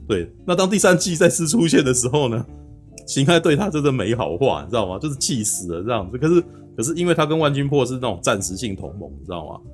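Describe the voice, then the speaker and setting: Lively fast-talking man. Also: mid-range voice, soft background music. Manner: animated storytelling, keeps asking "you know?". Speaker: podcast host. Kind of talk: casual plot recap.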